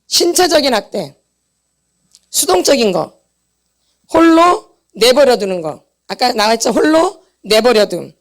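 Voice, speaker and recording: A woman with a high voice preaches at a church seminar. She repeats each point with force and throws short questions back to the congregation, then answers them herself. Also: sing-song, unhurried, pauses often. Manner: emphatic, repeats points and quizzes the audience for answers. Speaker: pastor's wife teaching a healing seminar. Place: church meeting hall.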